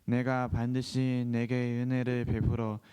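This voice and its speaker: Clear-voiced man reading scripture evenly. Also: mid-range voice, measured pace. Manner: steady, even reading. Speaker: scripture reader.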